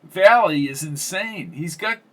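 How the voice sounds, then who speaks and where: A man's voice: on the high side, lively intonation, a little slow, pitched above the performer's own voice. A man voicing a blunt, foul-mouthed older landlady who gossips and curses freely. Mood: brash.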